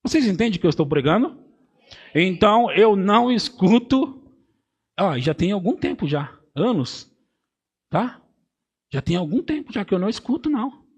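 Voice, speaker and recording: High-voiced Brazilian pastor preaching. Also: male voice, big pitch swings, moderate pace, pauses often, slightly rough. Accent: Brazilian Portuguese. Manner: swings from quiet asides to loud shouted emphasis; playful, mimics voices and laughs with the congregation. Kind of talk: sermon.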